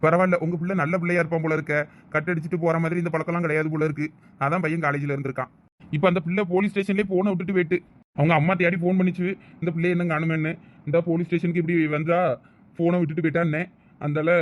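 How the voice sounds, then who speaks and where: A man plays a chatty middle-aged police officer in a cartoon, with a Thoothukudi Tamil accent. He speaks very fast and in a high voice, and he explains everything in long stretches. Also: level tone, natural voice. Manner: rapid, chatty, explaining at length. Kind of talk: cartoon voice acting.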